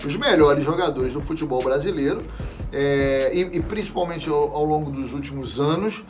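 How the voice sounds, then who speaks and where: A man's voice: fairly high pitch, normal speed, faint music behind. A man, a guest chatting casually about football with swearing and many restarts. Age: 40s. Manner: animated, swears freely, trails off and restarts. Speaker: interview guest.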